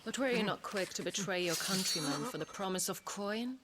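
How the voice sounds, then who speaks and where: An actress playing a menacing female military commander in a video game, imperious and measured. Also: mid-range voice, lively intonation, close to an everyday voice. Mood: cold menace. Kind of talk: video game cutscene voice acting. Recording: loud noise behind.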